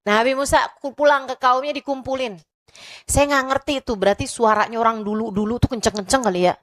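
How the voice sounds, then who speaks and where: Lively woman preacher telling stories. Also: a little high, fast talker. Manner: lively storytelling, acts out voices of the people in her stories. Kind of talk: sermon to young women.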